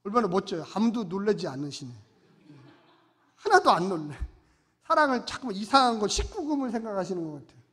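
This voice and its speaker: A man's voice: high-pitched, very animated, fairly quick. Emphatic male pastor in echoing church. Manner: emphatic, repeats rhetorical questions, swings between loud and soft. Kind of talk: sermon. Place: church sanctuary. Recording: long church reverb.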